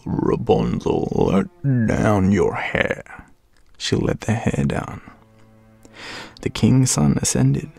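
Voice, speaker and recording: An Australian man with a very creaky, husky voice works as a storyteller. His delivery is deep and breathy, with music playing behind it. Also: a little mellow. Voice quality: deep, gravelly. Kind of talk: dramatic storybook narration.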